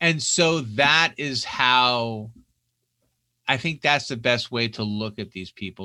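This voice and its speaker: With a bright, sharp tone, a man at medium pitch speaks at a very slow pace with ordinary pitch variation. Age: 50s. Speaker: author. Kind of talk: casual chat. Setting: video call.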